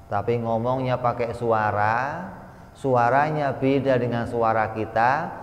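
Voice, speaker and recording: A man giving a slow, explanatory religious study lecture, now and then voicing sound effects for his examples. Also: medium pitch, slight background noise. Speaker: religious teacher. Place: pesantren study hall. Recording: echoey hall with long reverb.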